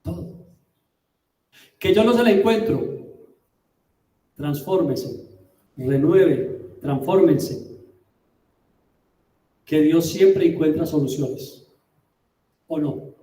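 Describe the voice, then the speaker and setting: A man preaching a sermon as a pastor, emphatic, with rhetorical questions and drawn-out words. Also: fairly high pitch, mellow. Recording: roomy, distant mic.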